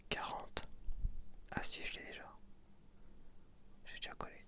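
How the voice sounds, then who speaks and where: A man whispering softly into a close mic for ASMR, murmuring sticker numbers and rambling along. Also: measured pace. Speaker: ASMR creator.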